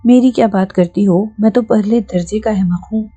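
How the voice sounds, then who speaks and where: A woman's voice: medium pitch, mellow, husky, natural voice. A woman reading the lines of a bemused young man in an audiobook, wry and mildly protesting.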